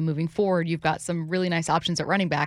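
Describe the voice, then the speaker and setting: The tone is upbeat and animated, on a very clean recording with a silent background. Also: woman. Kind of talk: radio sports talk show patter. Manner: upbeat, quick, joking banter with teasing and laughs; animated promo-style teasers and sign-offs.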